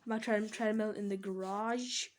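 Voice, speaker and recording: A woman talking casually over her gameplay as a gaming channel host, chatty and rambling, quick to laugh and exclaim. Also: medium pitch, steady tone, a little hiss or hum.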